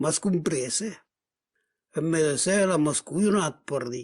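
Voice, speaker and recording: This man talks in a fairly high pitch with ordinary pitch variation. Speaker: storyteller. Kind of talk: comic anecdote told in regional French. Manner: casual, colloquial.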